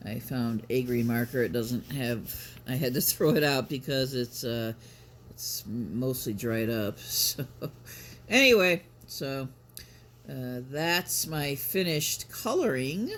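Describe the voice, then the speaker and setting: A man in his fifties vlogging casually, talking in a halting, musing, rambling way. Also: medium pitch, lively intonation, a bit bright. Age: 50s. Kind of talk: casual chat. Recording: noticeable background noise.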